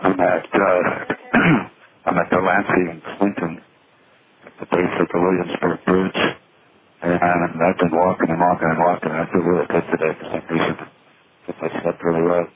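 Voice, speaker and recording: A man giving a halting, reflective, confessional monologue on a payphone call from a city street, over a noisy line. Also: low voice, little pitch movement. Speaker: solo caller recording monologues from payphones.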